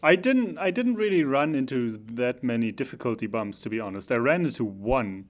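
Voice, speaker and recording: A man co-hosting a casual podcast chat, talking in a relaxed, offhand way. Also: mid-range voice, brisk. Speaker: podcast co-host.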